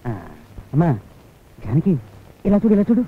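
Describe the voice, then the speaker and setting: An actor playing a tender older man who gently coaxes and pleads in a film scene. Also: high-pitched, big pitch swings, normal speed. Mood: coaxing. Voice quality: tender, coaxing. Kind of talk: Telugu film dialogue. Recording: tinny lo-fi film soundtrack, music.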